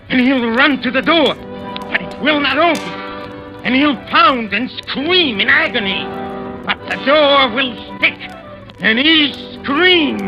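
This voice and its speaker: A man's voice: very high-pitched, gravelly, full character voice. An actor playing a scheming male boxing manager who stammers, pleads and menaces, in 1940s radio acting. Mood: menacing. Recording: dull old radio recording.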